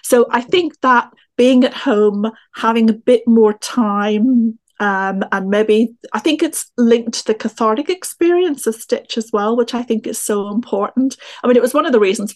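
A woman's voice: on the high side, normal speed, a little mellow. A middle-aged woman with a Northern Irish accent, answering interview questions in a thoughtful, discursive, explanatory way. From Northern Ireland. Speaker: guest, textile historian and teacher. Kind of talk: conversational podcast interview answers.

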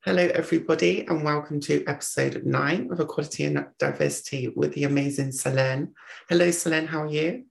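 A man's voice: on the high side, steady tone, fairly quick, gravelly. A man hosting an interview podcast, asking long, rambling questions in an upbeat way. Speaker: podcast host. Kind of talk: casual interview talk.

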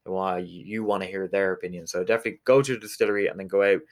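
A man's voice: sits low, fairly even intonation, very fast. A man from Galway with a west of Ireland accent, explaining things conversationally as an interview guest. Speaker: interview guest, whiskey distillery representative.

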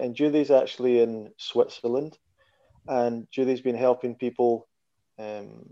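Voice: mid-range voice, mellow, highs cut off. A podcast host introducing a guest and asking questions, with frequent encouraging backchannels. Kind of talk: podcast interview.

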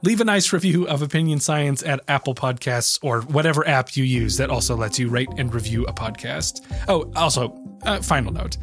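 A young man hosting a podcast, chatty and quick to laugh, his voice stuffed up from a cold. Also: mid-range voice, fairly bright tone, faint music behind. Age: young adult. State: congested, stuffed-up voice. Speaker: podcast host. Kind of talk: interview and outro.

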